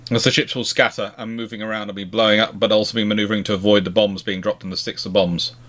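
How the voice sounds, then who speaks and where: A man hosting a casual question and answer chat on naval history, talking haltingly and often circling back to rephrase. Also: fairly low pitch, flat delivery, a bit bright. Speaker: live Q&A host answering viewer questions.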